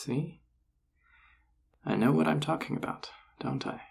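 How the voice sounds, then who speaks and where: A man playing a flirty, encouraging enchanter boss in an intimate roleplay audio drama, teasing and reassuring in a husky, gravelly voice. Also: on the high side, unhurried, a little hiss or hum. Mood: flirty, soothing.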